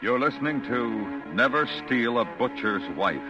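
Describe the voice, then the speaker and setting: A man's voice: mid-range voice, animated, unhurried. Portentous old-time radio announcer man over music. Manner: formal, portentous. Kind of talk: 1940s-50s dramatic radio announcing. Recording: dull old radio broadcast. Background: loud dramatic music.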